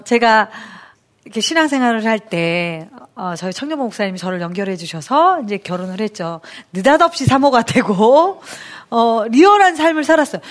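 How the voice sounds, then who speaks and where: Lively high-voiced woman telling stories. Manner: lively storytelling, acts out quotes, laughs often. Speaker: coach and speaker. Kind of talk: motivational talk on stage.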